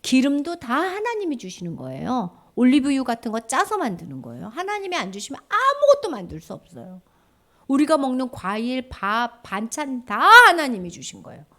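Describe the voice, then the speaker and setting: A woman's voice: high voice, normal speed. A woman preaching a children's sermon in church, acting out cries and prayers and dropping to a whisper. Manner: lively, acts out cries and prayers, drops to a whisper.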